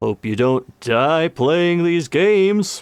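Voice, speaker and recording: A man in a put-on character voice with a fairly high pitch at a very slow pace. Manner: sinister, ominous.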